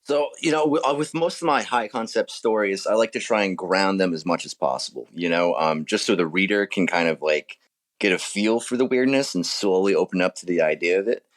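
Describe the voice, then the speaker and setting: A man's voice: deep voice, lively intonation, a little fast. An American man, an author being interviewed, explaining things informally in casual chat. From United States.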